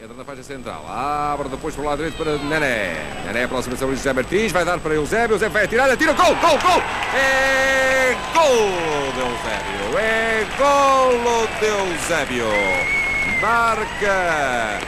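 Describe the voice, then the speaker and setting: Fast dramatic male football commentator, very noisy recording. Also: a little high, a loud crowd. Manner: excited, drawn-out goal calls. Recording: very noisy archive match broadcast.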